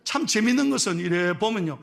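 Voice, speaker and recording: A middle-aged male pastor with a Gyeongsang accent, preaching a sermon in a joking, lively way and teasing his congregation. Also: high-pitched, brisk, creaky. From Gyeongsang region of Korea. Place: church sanctuary.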